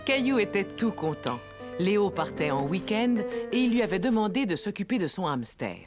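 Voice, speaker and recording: A woman's voice: mid-range voice, very animated, normal speed. A woman narrating a scripted children's story. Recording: music under the voice.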